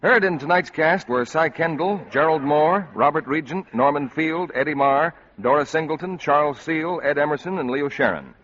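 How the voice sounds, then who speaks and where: A man reading formal closing announcements in a 1940s radio broadcast, measured and official. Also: a little high, a bit bright, lo-fi sound.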